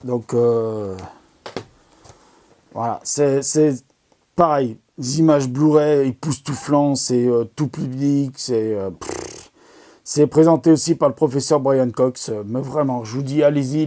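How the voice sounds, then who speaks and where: A man with a mid-range, dark-toned voice talks a little slowly as he hosts an amateur astronomy video. He recommends documentaries casually and enthusiastically, rambling along with plenty of fillers and restarts, like a relaxed product recommendation.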